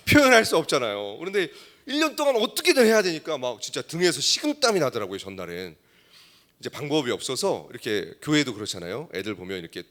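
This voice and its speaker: A middle-aged male pastor preaching a sermon, telling a story and swinging between hushed asides and loud exclamations. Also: medium pitch.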